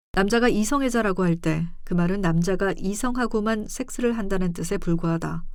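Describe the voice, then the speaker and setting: This woman has an ordinary speaking voice with medium pitch and ordinary pitch variation. Her loudness stays very even at a moderate pace. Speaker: audiobook reader. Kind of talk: audiobook reading. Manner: soft, calm ASMR-style reading.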